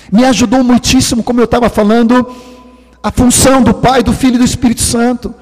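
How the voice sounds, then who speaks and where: A man in his sixties from Sweden, speaking as a preacher with a Swedish accent, stretching key words slowly and sinking into hushed near-whispers for emphasis. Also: very high voice, big-room sound, low-quality recording. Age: 60s. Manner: slow, drawn-out stress on key words. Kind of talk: sermon.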